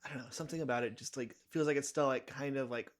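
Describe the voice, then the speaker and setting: A man chatting casually as a podcast guest and metal fan, excitable and gushing as he talks. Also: medium pitch, rapid-fire. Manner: excitable, gushing, restarts phrases in enthusiasm. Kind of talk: casual music chat.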